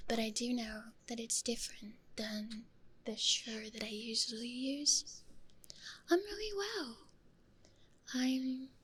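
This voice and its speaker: A woman streaming ASMR in a hushed, breathy whisper, speaking gently and intimately close into a stereo microphone. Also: a little high.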